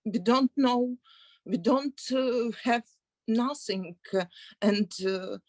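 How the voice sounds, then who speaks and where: A woman with a Ukrainian accent gives personal testimony over a video call. She speaks slowly and haltingly, searching for words, in a slightly high voice with a dry, close sound. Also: no room sound. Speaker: participant in a play reading.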